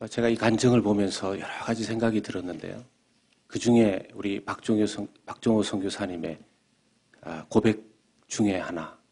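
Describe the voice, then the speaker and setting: A male pastor preaches with a low, gravelly voice that has a husky edge. He drops to hushed, whispered questions, then rises into fervent exhortation. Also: steady tone, normal speed. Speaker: senior pastor. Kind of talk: sermon.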